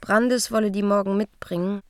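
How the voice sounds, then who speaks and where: An actress playing a dreamy young East Berlin woman in love, musing in a hushed, intimate radio drama diary monologue. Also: medium pitch, steady tone, moderate pace, smooth, no room sound, close to an everyday voice. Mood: matter-of-fact, musing.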